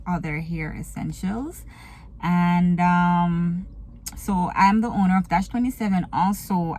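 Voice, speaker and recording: A woman's voice: lowish voice, a little mellow. A woman from Kingston with a Jamaican accent, chatting casually to her viewers from inside her car, laughing often and slipping into patois. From Jamaica, raised in Kingston. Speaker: vlogger and small business owner. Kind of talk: casual get-to-know-me chat.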